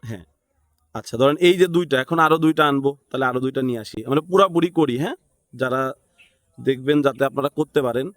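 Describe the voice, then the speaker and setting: A man's voice: mid-range voice, quick pace, fairly bright tone, no echo, studio quality. A man with a Bangladeshi accent giving a casual, unscripted step-by-step tutorial, thinking aloud and often checking in with short tag questions. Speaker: tutorial instructor.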